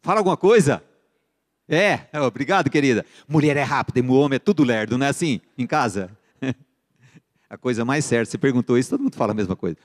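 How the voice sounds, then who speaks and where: A middle-aged Brazilian-accented man with a mid-range voice talks fast while teaching a church finance course. He's a lively storyteller who acts out the buyers and sellers in his dialogues. It's recorded in a church sanctuary with long reverb.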